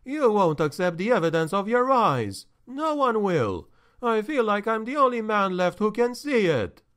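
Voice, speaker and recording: Guy doing a nervous steward, voice shaking, higher, slow and pleading, jumps all over. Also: sing-song, a bit bright. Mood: agitated. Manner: shaky, agitated, slow and pleading. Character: anxious middle-aged male steward, fretful and pleading.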